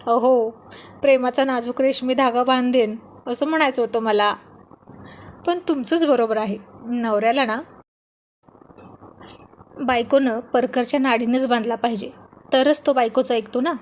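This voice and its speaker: A woman's voice: a little high, fairly even intonation, measured pace, long pauses, natural voice. A woman voicing a playful young wife who coaxes and teases her husband. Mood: playful teasing. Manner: coaxing, teasing.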